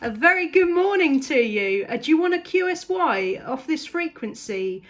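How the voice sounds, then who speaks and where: Over a static-filled CB radio session, a southeast English woman makes casual contact chat in a high, sing-song voice. She keeps a moderate pace.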